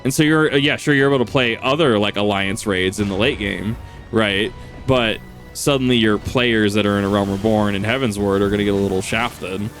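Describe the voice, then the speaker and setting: A man's voice: on the low side, steady tone, fairly quick, a bit bright, soft background music. A man streaming a game, chatting casually and rambling with lots of fillers and restarts. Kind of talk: casual gameplay chat.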